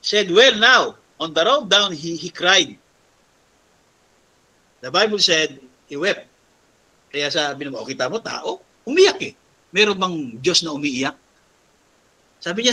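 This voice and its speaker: A man's voice: sits high, bright, forceful tone. A man preaching a sermon, who quotes English passages and keeps asking his listeners "di ba?". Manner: mixes Tagalog with English quotes, asks "di ba?" often. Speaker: pastor.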